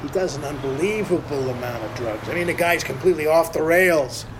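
A disgruntled band musician acted by a man vents bluntly in a radio play. His voice sits a little high. Clear ambient noise runs behind him. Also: brisk, lightly acted. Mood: bitter. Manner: blunt, complaining. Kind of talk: English-language testimony in a radio play.

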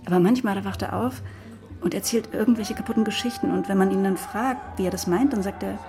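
An actress playing a chatty, curious bartender in a naturalistic radio drama, talking casually and frankly. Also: female voice, medium pitch, fast, close to an everyday voice. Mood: curious, amused. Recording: music playing behind the voice.

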